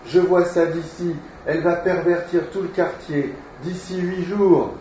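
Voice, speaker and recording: A man's voice: medium pitch, expressive, slow pace, dark tone, a little hiss or hum. A man voicing an indignant older male landlord who rants against having a child in his house, read aloud in a lesson. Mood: outraged. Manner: indignant, ranting. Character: irate older male landlord fearing scandal. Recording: echoey room, distant mic, dull sound.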